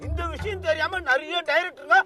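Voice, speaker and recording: Man as wisecracking school kid, very high voice. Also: steady tone, normal speed, sharp tone, soft background music. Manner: cheeky wisecracks. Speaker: schoolboy nephew in a sketch. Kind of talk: comedy sketch acting.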